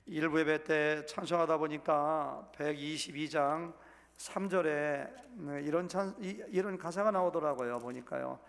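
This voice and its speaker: A man's voice: fairly high pitch, steady tone, measured pace, vocal fry, a bit bright. A male pastor giving a Sunday sermon in a church sanctuary, speaking conversationally and putting questions to the congregation. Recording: reverberant church hall.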